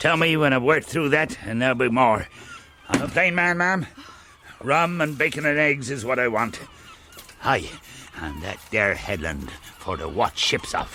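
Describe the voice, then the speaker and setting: Using a put-on, gruff character voice at a medium pitch, a man speaks at a moderate pace with lively intonation and long, frequent pauses. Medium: audio drama. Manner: gruff, commanding, sea slang.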